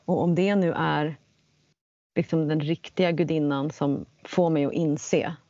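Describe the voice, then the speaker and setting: Woman, low gravelly storyteller, animated, dry slightly dull sound. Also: no room sound. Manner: animated, acts out quotes in English. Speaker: guest telling a personal story. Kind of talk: casual storytelling in conversation.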